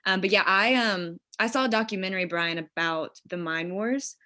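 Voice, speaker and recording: A woman's voice: medium pitch, normal speed, bright, forceful tone. A woman screenwriter explaining things casually and informally, as in a conversation with collaborators. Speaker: screenwriter leading a script table read.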